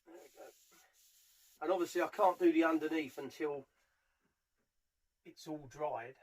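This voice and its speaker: A British man with a slightly high voice talks through a practical job. He explains each step informally, in the unscripted way of a tradesman showing his work to a camera as he goes. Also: unhurried. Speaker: furniture polisher giving a how-to demonstration. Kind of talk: casual hands-on tutorial narration. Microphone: camera mic on a tripod, at varying distance.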